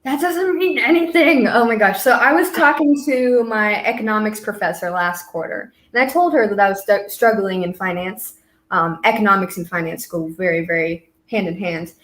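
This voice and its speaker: A woman's voice: medium pitch, normal speed, a bit bright. A young American woman in her twenties, a college student guest, telling a story casually with lots of fillers. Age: 20s. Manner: rambling, filler-heavy storytelling. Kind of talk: casual conversation. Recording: roomy echo.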